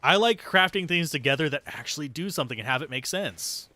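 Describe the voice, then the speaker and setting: Male game streamer, bright forceful voice, dry close sound, casual commentary, sardonic, self-deprecating, sweary. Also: on the high side, lively intonation, brisk, no echo. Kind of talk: casual live gameplay commentary, chatting with viewers.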